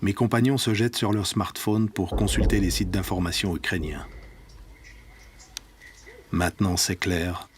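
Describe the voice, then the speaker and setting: A man's voice: sits low, fairly even intonation, unhurried, long pauses, background noise. A man with a Swiss French accent reading scripted narration as a documentary reporter.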